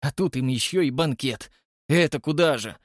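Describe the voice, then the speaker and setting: A man voicing an elderly, frightened woman concierge who gossips and complains in a hushed, fretful way. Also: medium pitch, moderate pace, no echo, clean studio sound, lightly acted. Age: older.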